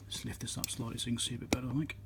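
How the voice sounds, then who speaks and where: A man's voice: medium pitch, little pitch movement, very fast, gravelly, very noisy. A man giving an informal, matter-of-fact hands-on repair tutorial, thinking aloud as he works, recorded on a phone on a tripod. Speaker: electronics repairer demonstrating.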